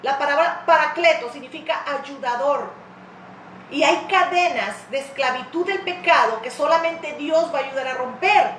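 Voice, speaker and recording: A high-pitched woman pastor preaches, fervent and direct with her listeners. The sound is roomy and echoey, with a faint noise floor beneath it. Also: moderate pace, a bit bright. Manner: impassioned preaching, acting out tearful prayers. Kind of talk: sermon.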